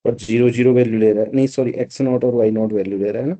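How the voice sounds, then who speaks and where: A man's voice: medium pitch, fairly even intonation, rapid-fire, warm tone. A man teaching a live online math class, explaining step by step and often checking that students follow. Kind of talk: live online math lecture, Hindi-English mix.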